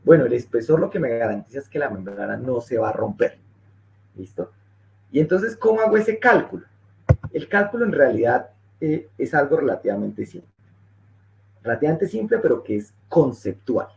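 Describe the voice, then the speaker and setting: A man's voice: mid-range voice, sing-song, moderate pace, creaky, darkish tone, slight background noise. Man lecturing on a muffled webinar. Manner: explanatory, checks in with frequent "¿listo?". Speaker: engineering instructor.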